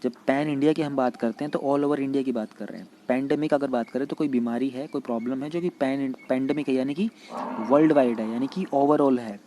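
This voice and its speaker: A man giving an exam-prep lecture in mixed Hindi and English. He reads English passages slowly, then explains them in Hindi. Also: medium pitch, warm tone, a little hiss or hum.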